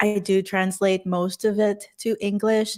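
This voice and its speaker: A woman speaks at a medium pitch and a moderate pace, in a Filipino accent. The recording is very clean, with a silent background. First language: Tagalog. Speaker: YouTube host. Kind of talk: casual interview chat.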